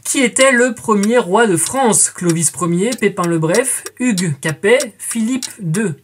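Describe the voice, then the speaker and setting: A woman's voice: medium pitch, expressive, measured pace, noisy background. A woman in her twenties hosting a scripted educational quiz, chatty and playful, calling her viewers friends and adding jokey asides. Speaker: quiz show host.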